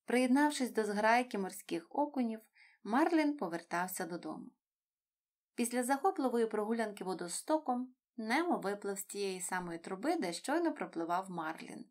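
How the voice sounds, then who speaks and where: A woman reading a children's storybook aloud in a gentle, expressive way. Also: on the high side, normal speed.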